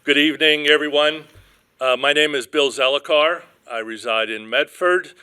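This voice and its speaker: Man with a bright, crisp voice. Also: a little high, normal speed. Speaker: farm organization executive director. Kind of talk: public comment at a town board meeting. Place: town hall meeting room. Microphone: podium microphone.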